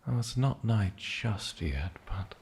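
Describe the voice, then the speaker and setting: A man playing an eccentric, lonely, ancient island demon in a soft-spoken fantasy ASMR roleplay, with a gravelly low voice and musing, polite pauses. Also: lively intonation, a little hiss or hum, heavily acted. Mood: ominous.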